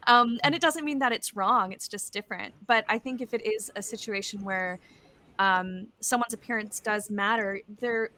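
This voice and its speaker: Bright-voiced woman chatting on a panel. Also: mid-range voice. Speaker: panelist, audio drama writer and actor. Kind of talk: casual panel discussion.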